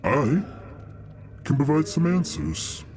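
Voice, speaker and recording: A man's voice: a little high, very animated, slow pace, a little mellow, slight background noise, pitched above the performer's own voice. A man voicing a proud, sly young black dragon in a tabletop game, drawling with scorn for mortals as he bargains. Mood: ominous, condescending.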